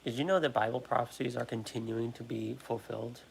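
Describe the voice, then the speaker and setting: Gravelly, creaky young American man chatting. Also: medium pitch, steady tone, a little hiss or hum, low-quality recording. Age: late 20s. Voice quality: trouble pronouncing R sounds. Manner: halting, repetitive, self-interrupting. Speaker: livestream host. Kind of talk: casual livestream chat answering viewers. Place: at home.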